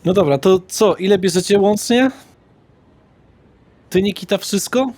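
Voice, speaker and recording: A man's voice: high voice, measured pace, darkish tone, no room sound. A man running a tabletop roleplaying game, speaking in character in a blunt, slangy way with frequent swearing. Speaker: game master.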